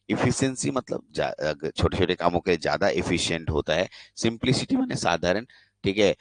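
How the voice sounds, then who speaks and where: A man's voice: low voice, no room sound. A young man with a Bihari Hindi accent teaching a live online class. He mixes English terms into his Hindi and keeps checking that students follow. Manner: explains in Hindi mixed with English, checks in with frequent questions. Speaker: polytechnic teacher.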